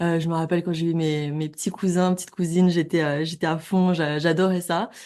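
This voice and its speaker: A woman's dark, mellow, fairly low voice with fairly even intonation at a fairly quick pace, over a quiet background. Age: 20s. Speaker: podcast host. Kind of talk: interview testimony. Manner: hesitant, many fillers.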